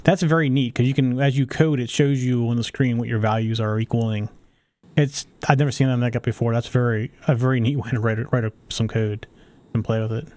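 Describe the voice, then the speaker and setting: A man's voice: mid-range voice, fairly even intonation, a little fast, darkish tone, no echo. A man co-hosting a casual tech chat, talking in a chatty way with rambling restarts. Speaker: co-host.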